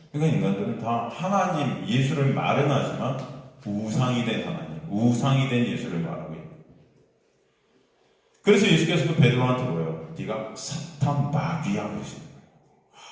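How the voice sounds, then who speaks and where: A man's voice: on the low side, a little mellow. A male pastor preaching a sermon, acting out quoted prayers and asking the congregation questions. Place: basement church hall. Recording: echoey church hall, mic at a distance.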